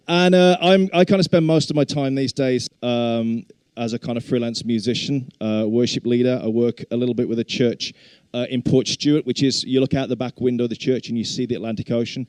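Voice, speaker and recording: Mellow middle-aged Black Country man, informally preaching. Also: medium pitch, clear, resonant tone, no room sound. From English Black Country. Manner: chatty, self-deprecating humour. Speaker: guest preacher and worship leader. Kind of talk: informal sermon to a congregation.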